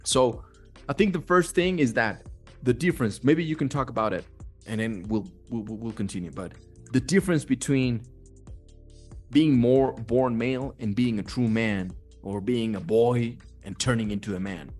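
A man's voice: medium pitch, normal speed, darkish tone. A man with a mid-range voice hosts a casual motivational talk. He speaks bluntly and swears freely, with music playing faintly behind him. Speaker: host of a talk on manhood.

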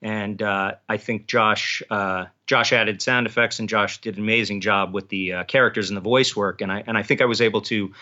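A man's voice: on the low side, steady tone, brisk, few pauses, bright, forceful tone, dull audio. A man talking casually as an author being interviewed about his work.

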